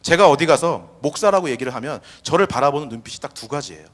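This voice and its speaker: A young male pastor preaches with a lively, swooping voice, leaning into the imagined quotes he acts out. His words trail into a long reverb from the church hall around him. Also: a little high, fast talker. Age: young adult. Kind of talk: sermon. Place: church sanctuary.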